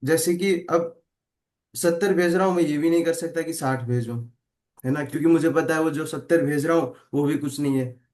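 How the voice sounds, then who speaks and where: A man in his twenties sharing a personal struggle with a group, pausing and searching for words. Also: a little high, darkish tone. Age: 20s. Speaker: participant sharing a problem.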